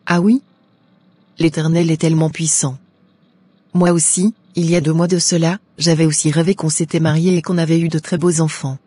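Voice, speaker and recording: A woman's voice: low-pitched, little pitch movement, normal speed, mellow, breathy edge, dry recording. A woman voicing a devout, earnest young Christian woman in a cartoon, speaking in a pious way. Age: young adult.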